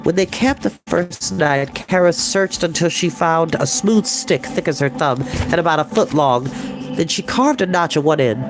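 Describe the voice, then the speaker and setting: Male storyteller for a fantasy audiobook, expressive and lively in pitch, music behind. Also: normal speed. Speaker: storybook reader. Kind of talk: expressive scripted narration.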